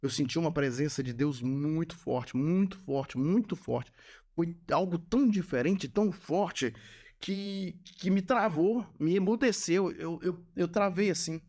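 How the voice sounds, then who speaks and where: A man's voice: on the high side, unhurried, darkish tone. A man, a Catholic missionary and podcast guest, telling a personal testimony and repeating phrases for emphasis. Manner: earnest storyteller who repeats phrases for emphasis.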